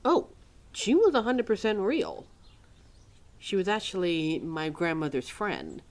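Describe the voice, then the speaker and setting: A woman's voice: fairly low pitch, very animated, a little slow. A woman playing an exasperated, opinionated keeper of forgotten lore in an ad-libbed audio roleplay, chatty and sarcastic as she talks straight to the listener. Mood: defensive, sympathetic. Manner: sarcastic, chatty, heavy sighs and mimicked quotes.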